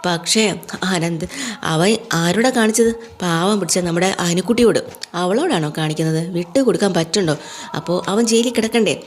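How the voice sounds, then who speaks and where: A woman's voice: on the low side, fairly quick, slight background noise, natural voice. A woman reading as a gloating young husband. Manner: boastful, mocking.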